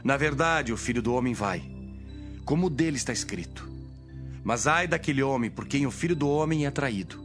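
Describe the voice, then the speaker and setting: Casting: a man to play a grave, authoritative holy teacher in Bible audio drama, mid-pitched, measured, declamatory, with background music. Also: lively intonation, fairly bright tone. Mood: grave, prophetic.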